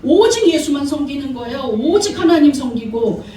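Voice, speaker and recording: A woman's voice: sits high, lively intonation, normal speed, dark tone, slight background noise. A woman pastor preaching a sermon in a church, exhorting her congregation and asking them questions. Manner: exhorting, asks the congregation often. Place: church sanctuary. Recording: echoey church hall, mic far off.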